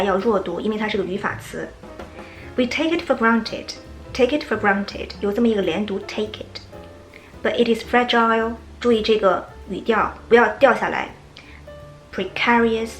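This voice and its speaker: A woman teaching English in Chinese, with a British accent when she reads passages aloud slowly and clearly. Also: mid-range voice, a bit bright, reverberant, rough recording. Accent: British English when reading. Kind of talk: reading lesson with read-aloud.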